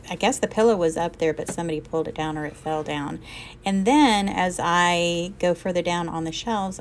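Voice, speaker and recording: A woman's voice: on the low side, slight background noise. A middle-aged woman from Alabama chats casually while decluttering a basement, thinking aloud as she sorts. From Alabama, USA. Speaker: home vlogger. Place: cluttered basement storage room. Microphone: handheld camera filming nearby.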